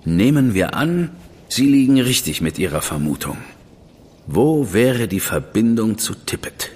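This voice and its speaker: An actor playing a stern, impatient official in a German radio drama, curt and disapproving. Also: male voice, on the low side, very animated, a little slow, a little mellow, slightly rough, in a large hall, full character voice.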